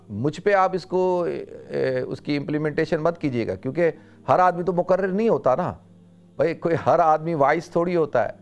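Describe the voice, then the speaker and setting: A middle-aged man from South Asia giving an informal religious lecture in a loud, emphatic preacher's voice, repeating phrases for emphasis. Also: a little high. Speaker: religious scholar giving a talk.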